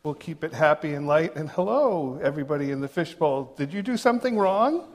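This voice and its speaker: Pastor, man from New Hampshire, conversational and joking sermon, a bit high-voiced, long church reverb. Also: lively intonation. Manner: conversational and joking, reads quotes slowly. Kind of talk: sermon with personal stories. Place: large church sanctuary. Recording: long reverb of a big hall.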